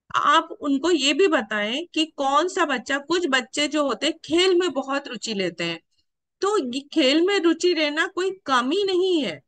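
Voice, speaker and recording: A woman's voice: high voice, pushed and bright, no room sound. A woman earnestly instructing teachers and childcare workers in a formal training address. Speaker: education official addressing teachers.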